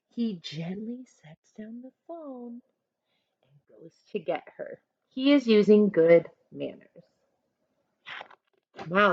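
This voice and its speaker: A woman teacher reading aloud to children, adding chatty instructive asides in an expressive manner. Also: medium pitch, muffled recording, slight background noise. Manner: expressive, instructive, acts out short examples.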